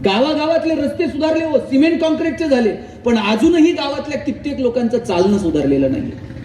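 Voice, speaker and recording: A man's voice: very high voice, expressive, fairly quick, darkish tone, a little hiss or hum. A man giving a motivational public speech, telling anecdotes and building up lists to punchlines. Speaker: motivational speaker. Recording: echoey hall recorded from far off, faint ambience.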